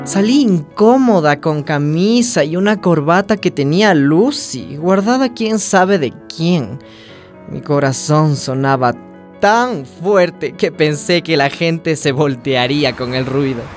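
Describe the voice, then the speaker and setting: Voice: medium pitch, animated, slow. An actor voicing a timid, hopeful young trans woman from a village in a radio drama, telling and living the story. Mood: weary, confiding. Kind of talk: radio drama narration and dialogue. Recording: music under the voice.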